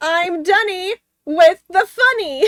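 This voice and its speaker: A put-on character voice shouts at an extremely high pitch. The shouting stays pitched extremely high throughout. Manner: screaming loudly.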